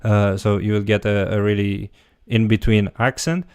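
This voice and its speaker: A man's voice: lowish voice, little pitch movement, moderate pace, a little mellow, smooth, dry recording. A man teaching a language, answering viewer questions in a casual livestream and thinking aloud as he goes. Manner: loose, talks while thinking aloud.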